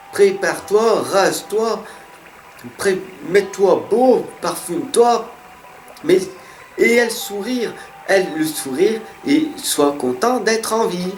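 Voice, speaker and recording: A man's voice: sits high, slight background noise. A man giving weekly card-reading guidance, speaking earnestly and encouragingly straight to the listener. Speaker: card reader. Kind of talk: weekly tarot guidance talk. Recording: echoey room with faint music.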